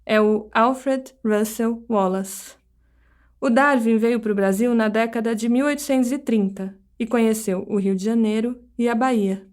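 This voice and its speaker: Woman, Brazilian Portuguese accent, podcast host, scripted narration, measured pace of storytelling, slightly high pitch. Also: darkish tone.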